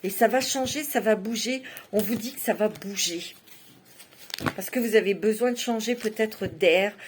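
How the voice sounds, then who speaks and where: A woman's voice: mid-range voice, normal speed, noisy background. Chatty woman reading tarot cards. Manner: chatty, laughs often, many fillers like "hein". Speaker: tarot reader. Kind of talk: casual monthly tarot reading.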